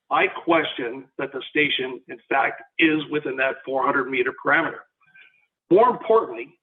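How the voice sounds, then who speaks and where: A man calling into a committee webinar over a phone speaker, reading a formal, measured statement as a public delegate. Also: fairly high pitch. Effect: heard over a phone speaker. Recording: tinny phone-line audio.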